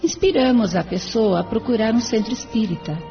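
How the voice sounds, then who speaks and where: A woman's voice: fairly high pitch, brisk, close to an everyday voice. A woman playing a serene church spirit. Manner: explanatory, composed. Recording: dull lo-fi with faint music.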